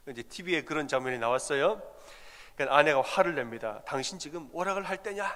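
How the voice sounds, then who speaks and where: A man preaching from the pulpit with a somewhat high voice, telling a story in a chatty, conversational way and putting questions to the listeners. His voice rings out with a long reverb from the church sanctuary. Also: a bit bright. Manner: conversational, asks the congregation questions. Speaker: pastor. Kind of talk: storytelling sermon.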